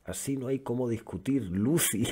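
A man's voice: medium pitch, normal speed, dark tone, breathy edge. A man, a gaming youtuber reading forum posts aloud in casual commentary, mocking them and laughing often.

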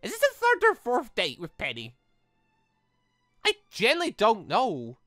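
An excitable let's player rambling and exclaiming while commenting on a game and reading its dialogue aloud. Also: mid-range voice, unhurried, no echo, faint music behind.

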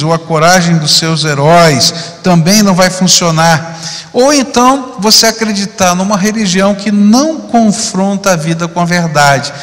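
Bright-voiced pastor preaching in a hall. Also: male voice, fairly high pitch. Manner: conversational preaching, frequent tag questions. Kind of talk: sermon. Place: large church auditorium stage. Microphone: handheld mic. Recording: long hall reverb.

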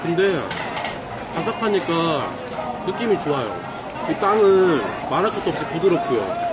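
A man's voice: a little high, sing-song, moderate pace. A man hosting a food review video, talking while chewing and describing the taste in detail. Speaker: mukbang host. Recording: busy crowd behind.

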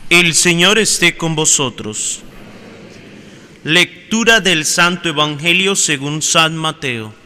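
Priest guy preaching slow with pauses, big church reverb. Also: fairly high pitch, lively intonation, pushed and bright. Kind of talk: Mass gospel reading and homily. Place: large church.

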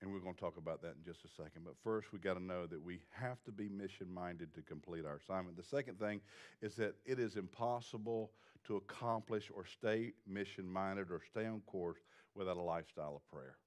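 Low-pitched, fairly quick, and darkish in tone, this middle-aged man is a pastor delivering a sermon on a small church stage before a seated congregation. He paces with wide gestures, his intensity climbing as he repeats lines emphatically.

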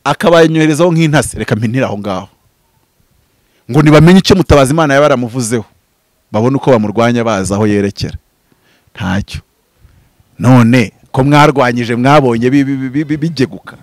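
Rwandan pastor guy talking fast and fired up, big swings loud to quiet, close mic, dry sound. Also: no echo. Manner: impassioned, gesturing, swings from loud bursts to low murmurs. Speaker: pastor and prophet. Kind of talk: animated preaching-style interview talk. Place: outdoors before green foliage. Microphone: handheld mic held close.

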